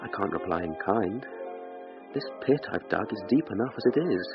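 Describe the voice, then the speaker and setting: Anguished young clerk, very lively pitch, dull radio sound with faint music. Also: male voice, moderate pace. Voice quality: anguished and fretful. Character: lovesick, desperate young clerk, anxious and self-pitying. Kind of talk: radio drama monologue.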